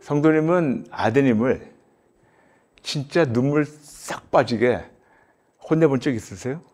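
A middle-aged man, a pastor hosting a counseling interview, asking probing questions on a dark studio set. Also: medium pitch, unhurried. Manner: probing, with frequent short acknowledgments. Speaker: pastor and host.

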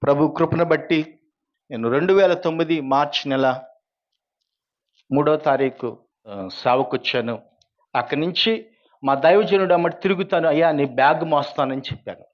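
A man's voice: on the high side, moderate pace, long pauses, highs cut off. A man, a pastor, telling his personal testimony in an earnest storytelling way. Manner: earnest storytelling, rising when quoting others.

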